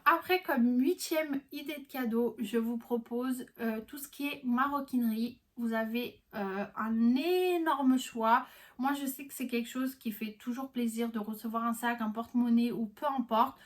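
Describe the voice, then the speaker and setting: A woman's voice: a little high, fairly even intonation, normal speed, hardly any pauses. A young woman vlogging casually, chatty and enthusiastic, with many fillers and restarts. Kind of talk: casual gift-guide vlog.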